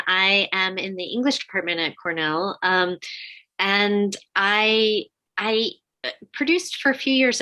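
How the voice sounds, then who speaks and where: A woman with a bright, crisp-edged voice at a middle pitch speaks as an academic panelist. She talks conversationally over a video call. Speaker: panelist, academic and podcast producer. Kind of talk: conversational self-introduction on a panel.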